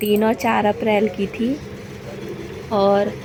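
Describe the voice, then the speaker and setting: Over noticeable background noise, a woman with a medium pitch talks at a very slow pace with fairly even intonation. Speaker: family vlogger. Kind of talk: casual vlog talk to camera. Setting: at home, parents' house; walking outdoors. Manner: casual, halting with repetitions.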